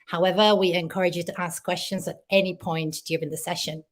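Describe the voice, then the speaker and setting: A woman hosting a conference session, reading a clear, orderly scripted introduction and announcements. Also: on the low side, steady tone, fairly quick. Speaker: session host.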